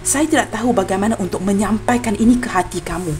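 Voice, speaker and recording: A woman's voice: medium pitch, quick pace, soft background music. A young woman from Malaysia with a Malaysian Malay accent, giving a general tarot reading to her viewers in an earnest, apologetic way. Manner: earnest and apologetic, addresses viewers warmly as friends. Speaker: tarot reader.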